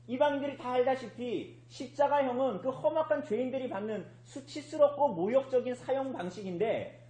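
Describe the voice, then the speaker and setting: Lively, high-voiced male pastor preaching. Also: echoey room, low-quality recording. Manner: asks the congregation questions and answers them himself. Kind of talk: sermon. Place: church sanctuary.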